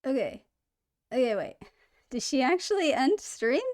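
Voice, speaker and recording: A woman with a slightly high voice hosts a casual reaction video. She talks in a chatty, rambling way. She stays upbeat and laughs at her own slips. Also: very animated, unhurried, a little mellow.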